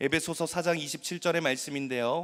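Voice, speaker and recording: The recording is very clean and the background silent. A man talks at a moderate pace in an animated tone. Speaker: pastor. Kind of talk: sermon.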